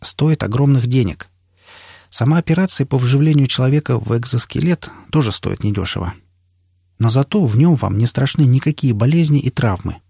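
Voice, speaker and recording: A man voicing a worried field medic who speaks in a measured, careful way in an audiobook. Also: medium pitch, animated, vocal fry, dark tone, slightly rough, no echo, studio quality. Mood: calm, worried. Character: worried male field medic, calm-spoken.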